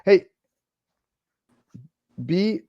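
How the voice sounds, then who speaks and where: A man's voice: very slow, no echo. A man hosting a podcast, asking rambling questions that he often restarts. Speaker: podcast host. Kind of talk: casual interview. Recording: dull, dry lo-fi audio.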